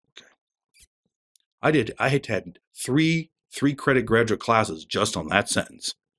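With an American accent, a man at a medium pitch shows lively intonation, vocal fry, big swings in loudness and long, frequent pauses, all in a dry, close sound with no echo. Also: moderate pace. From US, northern Virginia (Fairfax County). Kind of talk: interview.

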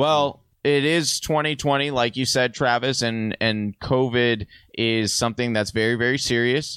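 Heard in a very clean recording with a silent background, a plain, everyday voice moves at a moderate pace with fairly even intonation and very even loudness. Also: man, medium pitch for a man. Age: 30s. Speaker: fantasy football podcast co-host. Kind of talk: casual chat.

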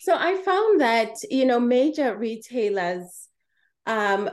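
Against a quiet background, a woman with a South African accent speaks at a very slow pace with lively intonation. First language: Sepedi. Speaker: small business owner. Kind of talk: interview.

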